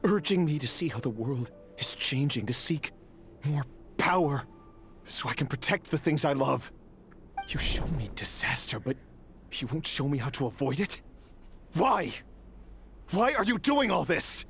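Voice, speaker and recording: A man's voice: fairly high pitch, sing-song, unhurried, pauses often, fairly bright tone, full character voice. An actor voicing an anguished, protective male warrior with intense, earnest delivery in a video game drama. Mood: anguished, pleading. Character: anguished male warrior recounting fateful memories, desperate and protective. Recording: game audio with music underneath. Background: game music.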